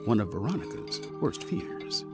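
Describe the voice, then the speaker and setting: A man narrating a scripted audio mystery drama as a polished, deliberate storyteller. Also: lowish voice, big pitch swings, creaky, over music. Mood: storytelling.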